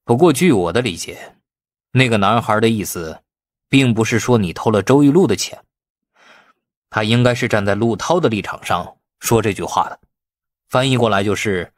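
A man's voice: on the low side, dry recording, clean studio sound, natural voice. A man voicing a stern middle-aged police chief in an audiobook, questioning with patient, insinuating manner.

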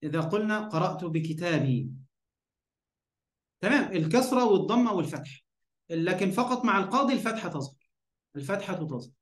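A man with an Egyptian accent teaches Arabic grammar in an online lesson, his high, expressive voice moving a little fast with frequent pauses. He asks questions, answers them himself, and keeps checking that students are following. The room sounds echoey.

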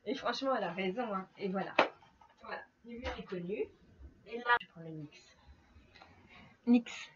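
A woman's voice: mid-range voice, normal speed, pauses often. Tired, chatty middle-aged woman. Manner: chatty, laughing, tired, talks to viewers directly. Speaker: beauty vlogger. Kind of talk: casual makeup chat to camera. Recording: slightly dull home recording with faint noise.

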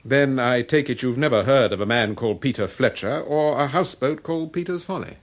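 An actor playing a composed gentleman detective in a radio drama, polite, measured and probing. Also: medium pitch, close to an everyday voice. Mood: probing, cool.

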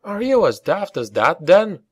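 A man's voice: sits high, very animated, measured pace, breathy edge, dry recording, studio quality, voice pushed up, full character voice. A man voicing a smug, scornful and sceptical man in an audiobook. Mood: alarmed disbelief. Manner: smug, dismissive, pointed.

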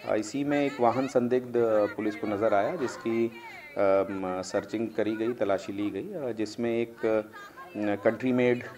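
A man in his thirties, a police officer, gives a formal, halting press statement with hesitant pauses into desk microphones in an office. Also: on the low side, steady tone, a little mellow. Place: indoor office. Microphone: cluster of press microphones on desk.

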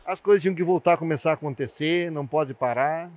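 A man's voice: fairly high pitch, quick pace, darkish tone. Man, older, cattle breeder, plain-spoken, handheld mic, livestock pavilion. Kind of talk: interview answer. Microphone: handheld interview mic.

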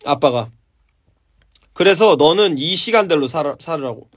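A man's voice: a little high, lively intonation, normal speed, fairly bright tone, slightly rough. A man hosting a casual live stream, answering viewer questions with blunt, profane advice.

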